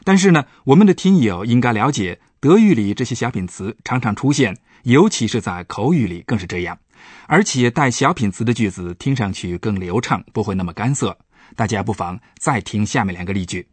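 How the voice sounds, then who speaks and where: A man's voice: lowish voice, lively intonation, fairly quick, husky, no room sound. A man, a professor, patiently explaining German grammar points on a radio language lesson. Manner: patient, explanatory, stresses example words.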